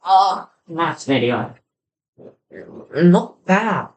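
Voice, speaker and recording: A livestreamer casually reacting to a video, talking in halting stretches and thinking aloud. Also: medium pitch, expressive, slight background noise. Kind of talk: casual live reaction chat.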